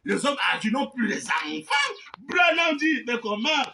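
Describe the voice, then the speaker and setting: A man preaching a fervent sermon, often shouting and repeating refrains between phrases. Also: very high-pitched, expressive, unhurried, gravelly, far from the mic, a little hiss or hum. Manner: shouting, repeating "eh ben" and "amen".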